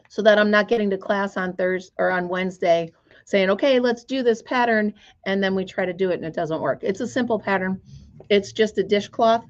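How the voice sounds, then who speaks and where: A woman hosting a casual crafting livestream from her store, chatty and greeting viewers by name, her voice still hoarse as it recovers. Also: mid-range voice, dull audio.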